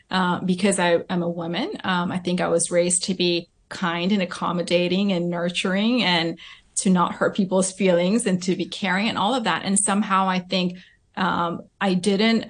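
A woman from Southern California, in her thirties, answering interview questions as a coach, reflective and often adding "right?" to her points. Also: on the low side. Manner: reflective, frequent "right?" tags and fillers.

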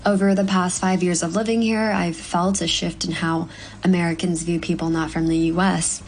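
A woman in her twenties from Hong Kong, a young actor giving earnest, measured interview answers with the odd "um". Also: on the low side, level tone, a little mellow, a little hiss or hum, low-quality recording. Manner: earnest, measured, with frequent ums. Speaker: guest actor.

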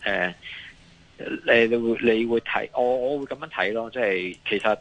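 A man's voice: medium pitch, moderate pace, a bit bright, low-quality recording. A man with a Hong Kong accent giving live market commentary as a guest analyst, hesitating, repeating phrases and mixing in English terms.

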